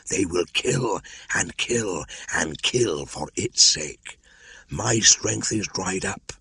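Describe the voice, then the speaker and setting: A man voicing a bitter old white cobra guarding treasure, speaking in a slow, hissing, breathy whisper. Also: low voice, fairly bright tone, voice pushed up, full character voice. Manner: slow, menacing.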